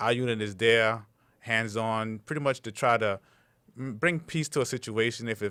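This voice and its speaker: A man speaks in an American accent at a fairly quick pace. The recording is very clean with a silent background. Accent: slight Southern accent at times. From US South, South Carolina; finished school in Brooklyn. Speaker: school safety agent. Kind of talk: interview. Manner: casual, with many fillers.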